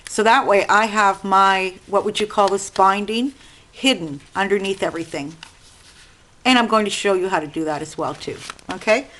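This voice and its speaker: A woman with an Italian-American accent hosting a casual craft tutorial at her home desk, chatting and explaining as she cuts and works, clearing an itchy throat now and then. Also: mid-range voice, normal speed, fairly bright tone, poor audio. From Sicily. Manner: chatty, explaining while working with hands. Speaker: craft channel host.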